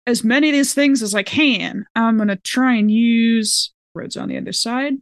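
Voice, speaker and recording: A woman playing a tabletop roleplaying game, chatting casually and expressively as she thinks her moves out loud. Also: a little high, moderate pace, no room sound, clean studio sound. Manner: expressive, exclaiming, thinks aloud.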